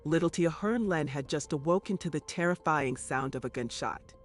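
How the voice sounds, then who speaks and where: A man's voice: fairly high pitch, normal speed, faint music behind. A man reading scripted true crime documentary narration in a formal, dramatic storytelling manner.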